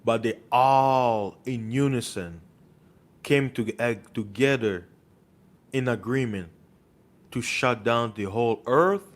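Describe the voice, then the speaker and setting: A man's voice: medium pitch, takes it slowly. A man delivering an impassioned monologue as an online preacher, insistent and full of rhetorical questions, repeating words for emphasis.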